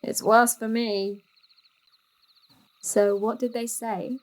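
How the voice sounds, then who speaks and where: An actress playing an inquisitive, slightly impatient teenage daughter with a plain-spoken, questioning manner in an audio drama. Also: female voice, fairly high pitch, level tone, takes it slowly. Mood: probing.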